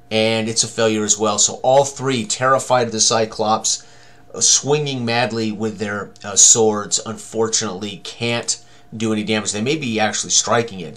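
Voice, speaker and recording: A man's voice: lowish voice, fairly bright tone. A man in his sixties giving a casual tabletop game tutorial, thinking aloud as he works through it. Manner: talks to himself, exclaims mildly.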